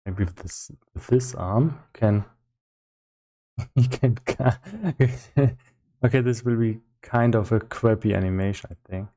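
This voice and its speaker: A man giving casual live-stream commentary as he works on a game, thinking aloud in a halting way with repeated words. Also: on the low side, mellow. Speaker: solo game developer streaming.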